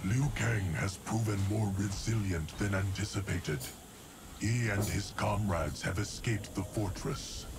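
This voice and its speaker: A man playing a stoic, loyal immortal guardian of time in a video game, formal, calm and solemn. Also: on the low side, a little slow, background noise. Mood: calm, devoted. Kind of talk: dramatic video game acting.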